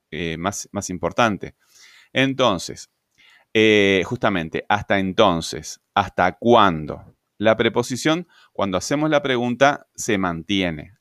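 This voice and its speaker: This is a recorded grammar lesson in which a male teacher hesitates frequently, uses plenty of fillers and checks understanding with tag questions. He has a lowish, clean, fairly bright voice, and the recording is dry and studio quality.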